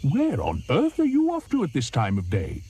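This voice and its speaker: A man's voice: medium pitch, huge pitch swings, normal speed, dark tone, a little hiss or hum, voice pushed up. A man voicing a fussy, disapproving male hippopotamus who talks in a raised, scolding tone.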